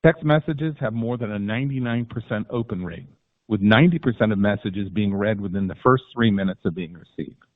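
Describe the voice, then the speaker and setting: A man's voice: fairly low pitch, a little fast. A man in the role of a company executive formally reads prepared remarks on an earnings call. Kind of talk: scripted earnings call presentation. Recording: tinny phone-line conference call audio.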